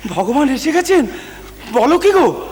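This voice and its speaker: An actor playing an amazed devotee who stammers. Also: male voice, extremely high pitch, big pitch swings, a little slow, exaggerated voice. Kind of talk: TV period drama acting. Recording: hall reverb, faint hiss.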